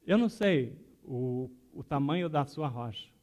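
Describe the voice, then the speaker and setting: A man's voice: medium pitch, animated, measured pace, darkish tone. A pastor preaching a sermon in a conversational storytelling way, often tagging his phrases with questions.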